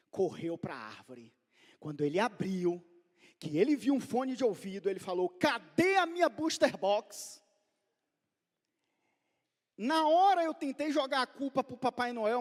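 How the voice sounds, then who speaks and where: A Brazilian man in his forties preaches in a slightly high voice. He tells a family story, dropping low and then rising loud. His voice rings with the long reverb of a big hall. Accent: Brazilian Portuguese. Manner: storytelling, swinging from quiet to loud. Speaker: pastor. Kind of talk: sermon.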